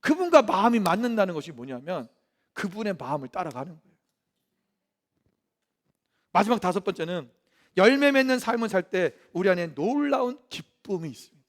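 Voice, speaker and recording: Very high-voiced male pastor preaching. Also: a little fast, pauses often. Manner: lively, asks the congregation questions and acts out quotes. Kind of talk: sermon. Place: church.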